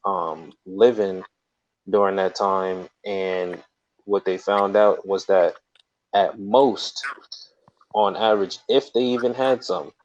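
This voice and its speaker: A man's voice: deep voice, darkish tone. A man in an informal debate, talking insistently and often repeating phrases to hold the floor. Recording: dull, lo-fi audio.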